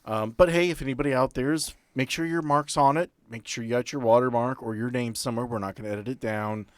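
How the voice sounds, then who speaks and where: A man's voice: mid-range voice, steady tone, fast talker, dry recording. A man speaking casually as podcast host and game master, bantering and narrating.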